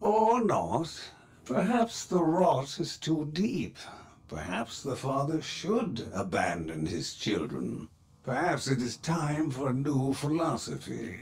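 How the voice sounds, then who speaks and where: An actor playing a calculating, silky corporate patriarch in a video game, measured, theatrical and condescending. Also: male voice, medium pitch, expressive. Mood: brooding, persuasive. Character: calculating, silky corporate patriarch, middle-aged or older man, villain. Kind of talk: video game villain monologue.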